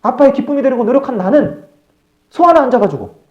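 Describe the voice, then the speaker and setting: A man acting an indignant young elder son who shouts complaints at his father, recorded live in an echoey church. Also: very high-pitched, animated, quick pace, highs cut off, pitched above the performer's own voice. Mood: angry, protesting.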